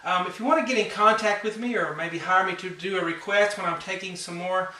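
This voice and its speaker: A man with a rather high voice giving a casual, relaxed piano lesson at a whiteboard, talking through chords with plenty of fillers. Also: fairly quick. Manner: relaxed, chatty, many fillers, counts beats and hums notes. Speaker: piano teacher. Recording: roomy sound from a distance over loud piano.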